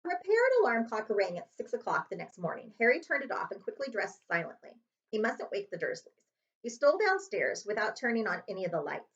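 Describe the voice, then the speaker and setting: A woman's voice: mid-range voice, sing-song, a little fast, a bit bright, highs cut off. A woman reading a children's chapter book aloud as a librarian would to students, expressively and with dramatic emphasis.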